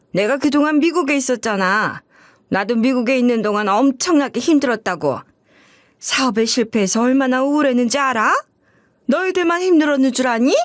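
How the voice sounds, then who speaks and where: A woman voicing a brazen, scheming older mother-in-law who makes self-pitying excuses in a shrill, defensive way. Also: no echo, clean studio sound, close to an everyday voice.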